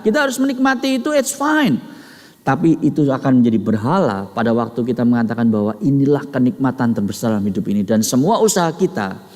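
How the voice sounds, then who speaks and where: A middle-aged man preaches a sermon, swinging from high, emphatic peaks to low, quiet asides and calling his listeners brothers and sisters. A long hall reverb colors the recording.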